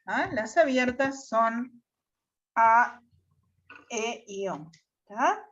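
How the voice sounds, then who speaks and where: A woman teacher explaining spelling rules to her class, often checking in with a quick "tá?". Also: on the high side, expressive, fairly bright tone, lo-fi sound. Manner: checks understanding with frequent "¿tá?". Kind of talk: classroom lesson on Spanish accent rules.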